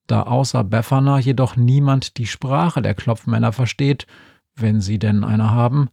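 A male audiobook narrator telling the story in a dry, matter-of-fact way. His voice is gravelly and husky, at a middle pitch. The recording is close and dead-dry. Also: dark tone, dry recording.

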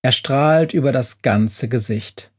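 A man narrating a children's audio story in a lively storytelling manner. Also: mid-range voice, slow pace, husky, no echo, studio quality.

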